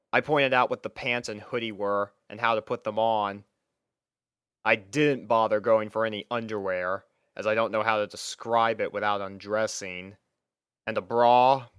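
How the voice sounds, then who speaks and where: A man's voice: on the low side, fairly bright tone, smooth, dry recording, studio quality. A young man reading a scripted first-person story as its narrator.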